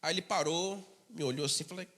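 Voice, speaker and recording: Male pastor, sermon, high and bright tone, conversational storyteller, reverberant hall. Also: fast talker. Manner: conversational storytelling, drops to a low murmur for asides.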